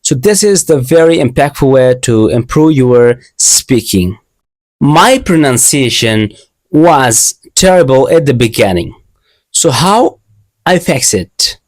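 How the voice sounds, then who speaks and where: A young Asian man, not a native English speaker, talks through his advice in an earnest, learner's English, circling back and restarting his phrases as he goes. His voice is mid-pitched and sits close to the mic in a dry, deadened space. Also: animated, takes it slowly, no echo. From Asia. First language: an Asian language. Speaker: English teacher. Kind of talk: casual video lesson.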